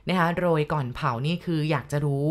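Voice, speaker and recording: A woman tells a ghost story in a slightly low, steady voice. She speaks politely and turns to address her listeners directly as she recounts the events. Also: a little fast.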